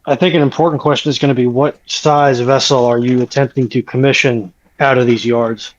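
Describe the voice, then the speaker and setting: A man's voice: medium pitch, steady tone, a little fast. A man joining a casual discussion as a panelist, on a slightly dull microphone.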